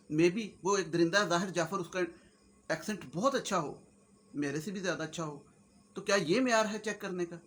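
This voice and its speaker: A man with a very high, bright, forceful voice and a Punjabi accent talks casually to his viewers. He rambles in a joking way, slipping between Urdu, Punjabi and English. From Pakistan. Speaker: YouTuber host. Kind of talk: casual comic-motivational monologue.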